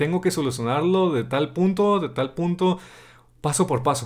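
Over a quiet background, a man talks at a moderate pace in a high pitch for a man. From Mexico. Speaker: programming YouTuber; programming youtuber. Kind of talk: personal vlog testimony. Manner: halting, stuttering. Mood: reflective, personal confession. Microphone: studio mic.

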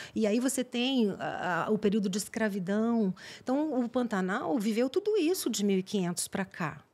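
A woman speaks in an ordinary speaking voice, fairly high in pitch. Her intonation is lively and her pace moderate. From Espírito Santo, Brazil (Cachoeiro de Itapemirim); Espírito Santo. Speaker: environmental journalist and TV reporter; podcast guest, journalist. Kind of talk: podcast interview. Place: studio. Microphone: studio mic.

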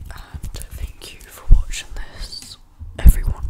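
A soft-spoken whisper at a very slow pace over loud background noise. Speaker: ASMR creator. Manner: soft close-mic ASMR whisper. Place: home room. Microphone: studio mic.

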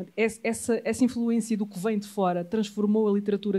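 A woman talks at a fairly quick pace in a somewhat breathy voice with a dark, mellow tone. The background is quiet. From Portugal. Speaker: writer, moderator; moderator. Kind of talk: panel discussion. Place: hall. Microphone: handheld.

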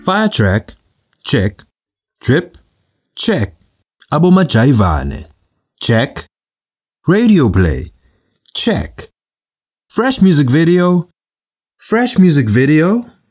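At a very slow pace with long, frequent pauses, a man speaks in a somewhat breathy, fairly high voice with very wide pitch swings and very even loudness. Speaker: voice actor. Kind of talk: radio ad read. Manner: conversational, articulate.

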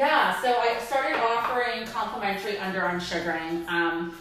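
Audible room echo surrounds a woman's voice. She uses ordinary pitch variation. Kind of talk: casual conversation while working. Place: shop.

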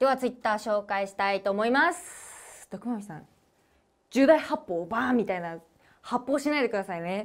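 Over a quiet background, a woman speaks at a moderate pace in a fairly high pitch with lively intonation. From Ibaraki, Hitachi city; Ibaraki, Japan. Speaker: show assistant co-host. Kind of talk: casual chat. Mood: playful, laughing. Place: studio.

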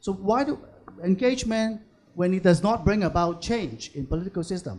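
A man with a high pitch and a dark, mellow tone talks with lively intonation at a moderate pace. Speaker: audience member. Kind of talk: audience question. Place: hall.

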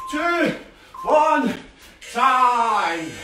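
With music in the background and audible room echo, a man uses a raised, projected voice with an energetic tone at an extremely high pitch. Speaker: judo coach. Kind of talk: live online judo class, instructing kids through drills. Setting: live video stream. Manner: energetic, loud, encouraging, brisk call-outs and countdowns; clear, repetitive, upbeat instructions. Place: gym. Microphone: camera far.

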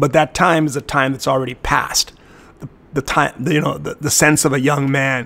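In a fairly high pitch, a man speaks with a bright, sharp tone and monotone, flat intonation. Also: fairly quick pace. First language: not Portuguese; non-Brazilian. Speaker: capoeira master and musician. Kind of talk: casual monologue to supporters.

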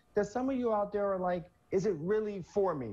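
Pitched high, a man speaks at a fairly quick pace. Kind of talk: interview answer. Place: home room. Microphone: video call.

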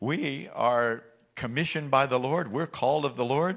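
Against a quiet background, the man's voice shows ordinary pitch variation. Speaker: pastor honoring a guest. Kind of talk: sermon-style tribute speech. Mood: warm, admiring, lightly laughing. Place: church. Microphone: handheld.

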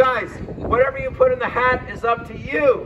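Loud and extremely high-pitched, a man speaks with an American accent over noticeable background noise. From Northern California, Marin County; Northern California. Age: 60s. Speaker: street performer. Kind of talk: street show performance to a crowd. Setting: outdoors, windy street performance. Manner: loud, projecting to a crowd; animated. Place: street. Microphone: camera far.

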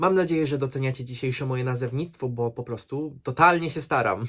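With music playing behind him, a man speaks fairly quickly. He has a fairly high pitch and ordinary pitch variation. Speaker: book YouTuber. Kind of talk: casual vlog monologue.

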